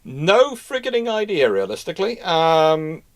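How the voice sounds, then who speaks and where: A man's voice: a little high, big pitch swings, measured pace, no room sound. A man talking casually as host of a live history discussion, rambling and often restarting his phrases. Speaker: host answering naval history questions.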